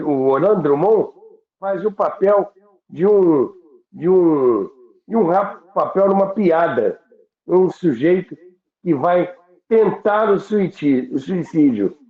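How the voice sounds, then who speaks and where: A man with a Brazilian accent telling anecdotes deliberately and haltingly on a podcast, repeating himself for emphasis. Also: sits high. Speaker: radio history storyteller on a podcast. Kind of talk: anecdotal storytelling talk. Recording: roomy, tinny phone-like sound.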